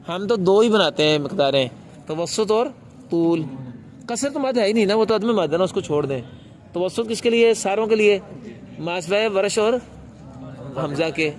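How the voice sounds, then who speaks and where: Man, high voice, recitation teacher, quizzing students, outdoor urban setting. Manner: asks students questions and answers them himself; briefly chants a recitation demonstration. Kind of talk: classroom lesson on recitation rules.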